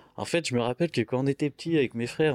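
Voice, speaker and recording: With ordinary pitch variation, a man talks in a dry, close recording that has no echo. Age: 30s. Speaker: motorcycle customizer and painter. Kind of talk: casual interview. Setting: guest's workshop. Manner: casual, hesitant.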